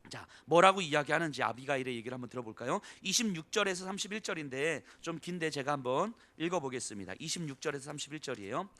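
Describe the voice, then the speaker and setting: A man's voice: fairly high pitch, expressive, quick pace, hardly any pauses, bright, forceful tone. A male pastor preaching a sermon, explaining a Bible story and asking the congregation questions.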